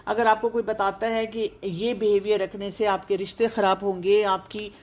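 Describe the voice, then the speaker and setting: In a medium-pitched, flat, somewhat dark voice, a female counselor on aging earnestly advises an older audience. She nudges them along with rhetorical questions and slips English words into what she says.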